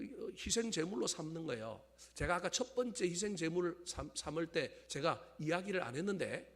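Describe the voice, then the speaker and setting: A male pastor preaching a sermon in church, firing rhetorical questions at the congregation and swinging from loud exclamations to low, quiet appeals. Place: church service.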